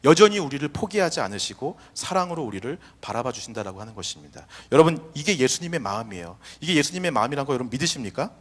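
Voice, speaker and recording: Young Korean-speaking pastor with lively, echoing delivery. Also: male voice, medium pitch, quick pace, few pauses. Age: young adult. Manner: acts out imagined quotes in varied voices. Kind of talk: sermon. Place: church sanctuary. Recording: long hall reverb.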